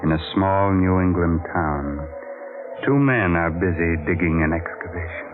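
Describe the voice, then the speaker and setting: Ominous radio storyteller, deep voice, drawn-out horror narration, music behind. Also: male voice. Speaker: host and narrator. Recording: phone-like old radio recording, music behind.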